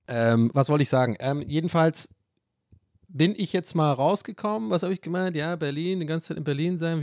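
A man's voice: on the high side, darkish tone, no echo. Male podcast host, casual solo monologue, self-mocking and rambling, dry close phone mic. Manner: rambling, self-mocking, jumps between tangents. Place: hotel room. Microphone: phone microphone.

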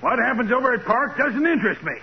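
An actor playing a curt, hostile business boss, impatient and brusque, in 1940s radio drama style. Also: male voice, very high voice, animated, fast talker, husky, heavily acted. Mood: impatient, defensive. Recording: muffled, hissy 1940s radio recording.

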